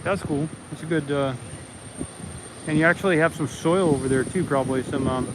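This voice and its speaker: A man talks with his viewers in a loose, rambling way, his voice a little on the high side. He records outdoors on a phone's built-in mic. Heavy wind noise buffets the sound throughout. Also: a little fast. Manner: rambling, reads viewer comments aloud. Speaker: livestream host. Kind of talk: casual livestream chat with viewers. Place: outdoors near a launch site. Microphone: iPhone, built-in mic. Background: wind and vehicle noise.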